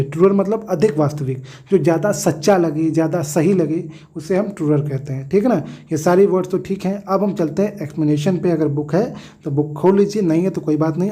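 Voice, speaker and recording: A man's voice: a little high, dark tone. A man teaching a textbook lesson, explaining word meanings with everyday examples, often checking in with a tag question and correcting himself.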